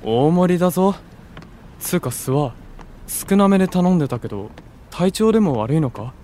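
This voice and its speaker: A man's voice: fairly high pitch, lively intonation, moderate pace, warm tone, slight background noise, lightly acted. A man playing a cool, blunt young idol with casual, curt and teasing delivery in an anime-style audio drama. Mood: wry.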